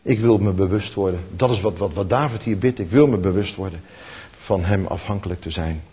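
Husky preacher in a reverberant hall. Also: male voice, low-pitched, fairly quick. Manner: swings between hushed tenderness and rising, emphatic calls. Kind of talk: sermon. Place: church.

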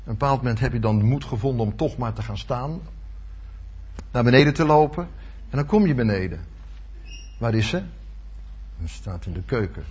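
A husky-voiced man in his sixties delivers a sermon with a very animated, swinging intonation. He tells stories and acts out his inner thoughts, and the recording sounds somewhat dull and lo-fi. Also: mid-range voice, fairly quick, long pauses. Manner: storytelling, acting out inner thoughts. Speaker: retired teacher giving a devotional talk.

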